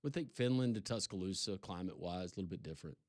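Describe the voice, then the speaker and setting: Lively-voiced male radio co-host. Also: deep voice, quick pace, no room sound, studio quality. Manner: joking banter, playful teasing. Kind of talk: casual sports talk radio.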